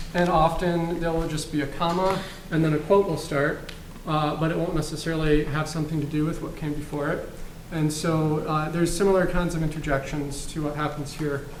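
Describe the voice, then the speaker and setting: In a room with audible echo and noticeable background noise, a man speaks at a fairly quick pace with a fairly high pitch and monotone, flat intonation. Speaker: writer. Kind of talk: author talk; reading aloud.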